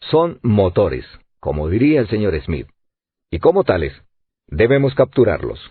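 A man's voice: lowish voice, big pitch swings, normal speed, husky. Man reading as an honest, hopeful sailor. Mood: determined. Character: honest, imaginative adult male sailor. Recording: narrow phone-like audiobook audio.

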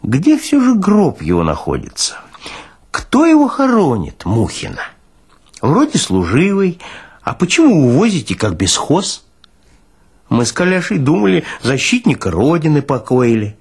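Man acting out an exclamatory, folksy morgue orderly, raised pitch. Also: wildly swooping pitch, a little slow, slightly rough, full character voice. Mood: nosy, probing. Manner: colloquial, exclamatory, preaching. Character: folksy philosophizing senior morgue orderly, cheerfully insistent. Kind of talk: dramatized literary reading.

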